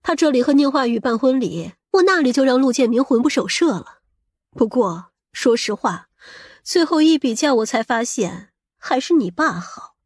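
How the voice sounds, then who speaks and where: A woman acts a brash, scheming middle-aged mother in an audiobook drama. Her high voice has a husky edge, and she talks in a boastful, scolding way, vain and coarse-tongued. The sound is dry and close. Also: lively intonation, moderate pace, a little mellow, no room sound. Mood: resentful, proud. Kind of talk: audiobook character acting.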